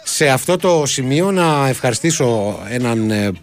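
A man's voice: medium pitch, animated. A man co-hosting a radio talk show, bantering casually and telling anecdotes with put-on quotes. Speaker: radio co-host.

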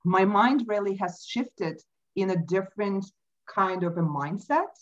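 A woman whose first language is not English, speaking as an interview guest, thoughtful and halting with many fillers. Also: medium pitch, expressive, muffled recording. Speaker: podcast guest. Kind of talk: casual interview talk. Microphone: remote call mic.

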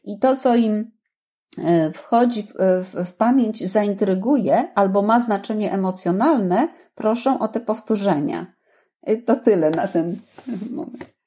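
A woman who teaches social skills to children talks through her thoughts slowly, with frequent pauses. Her voice has a warm, mellow, darker tone. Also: mid-range voice. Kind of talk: casual discussion.

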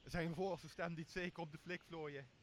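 Young man as a high-voiced boozy castaway. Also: steady tone, normal speed, background noise, lightly acted. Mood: startled, blustering. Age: young adult. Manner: tipsy, blustering, coarse. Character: boozy, blustering male castaway, greedy and bossy. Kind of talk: Shakespeare radio play. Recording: clear outdoor nature sound behind voice.

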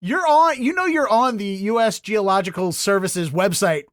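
A man hosting a podcast, asking questions quickly and excitably in casual conversation. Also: high-pitched, no echo, clean studio sound. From Baltimore area. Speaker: podcast host.

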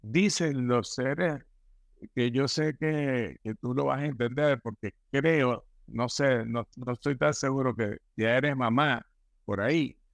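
A man's voice: mid-range voice, slow pace, vocal fry, no echo, clean studio sound. A man as a podcast guest, telling stories emphatically and repeating himself. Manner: emphatic, repetitive storytelling. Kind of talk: casual spiritual conversation.

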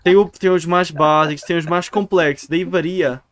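Joking Portuguese podcast host. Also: male voice, fairly high pitch, fairly even intonation, moderate pace, no echo. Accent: European Portuguese. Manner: joking, slangy, says "mano" a lot. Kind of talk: casual podcast chat.

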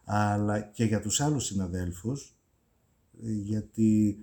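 A man's voice: on the low side, mellow, slightly rough. A middle-aged man, an actor, chatting in an interview and repeating his words for emphasis. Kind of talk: casual interview chat.

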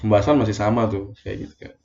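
A man's voice: on the low side, level tone, rapid-fire, vocal fry, warm tone. Young man telling a personal story. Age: young adult. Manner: slangy, emotional retelling with many fillers. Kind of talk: casual personal monologue. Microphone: phone voice message. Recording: roomy, dull lo-fi voice message.

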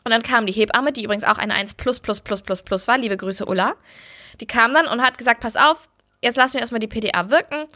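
A woman's voice: on the high side, quick pace, bright, forceful tone. A young woman telling her own story in casual chat, candid and blunt, swearing freely. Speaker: podcast host.

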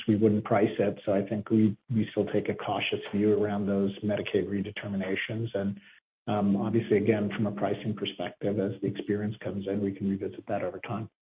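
A man's voice: fairly low pitch, slight background noise. A man answering as a company executive on an earnings call, cautious and hedging in his wording. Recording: muffled narrowband phone line.

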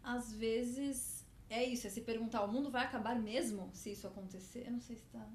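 A woman's voice: on the high side, steady tone, brisk, darkish tone. A woman co-hosting a podcast in casual chat, hesitant and searching for words as she thinks aloud. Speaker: podcast co-host. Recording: roomy with faint noise.

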